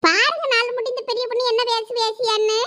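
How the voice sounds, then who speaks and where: A woman voicing a sharp-tongued young village woman in a cartoon, bickering with a Thoothukudi Tamil accent. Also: extremely high pitch, steady tone, brisk. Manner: bickering, teasing.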